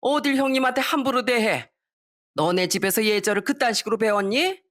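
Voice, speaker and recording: A domineering middle-aged mother-in-law in a storybook tale, as a woman narrator puts her on. She scolds and lectures bossily, with a lively rise and fall in her voice. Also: on the high side, a little fast, voice pushed up. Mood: scolding.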